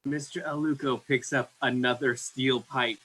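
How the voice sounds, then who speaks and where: A man narrating scripted stage directions in a husky voice. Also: medium pitch, flat delivery, normal speed, a bit bright, poor audio.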